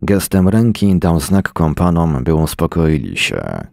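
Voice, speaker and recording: A man reading a short story aloud in a measured, dramatic way. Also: sits low, sing-song, creaky, a little mellow, dry recording, clean studio sound. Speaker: reader. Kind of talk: scripted narration of a short story.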